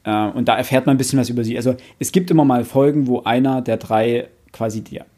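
Mellow, slightly husky man explaining casually. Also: mid-range voice, fast talker. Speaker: book podcast panelist. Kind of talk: casual discussion.

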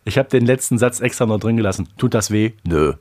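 A man co-hosting a podcast in relaxed casual chat, often ending sentences with a quick tag question. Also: lowish voice. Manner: relaxed, tags on "ne?". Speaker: podcast co-host.

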